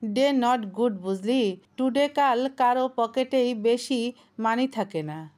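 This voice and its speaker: A woman's voice: on the high side, slow, a little mellow. A woman playing a cocky girl pickpocket boss. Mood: bossy. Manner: bossy, mixing broken English. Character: cocky young woman pickpocket gang leader.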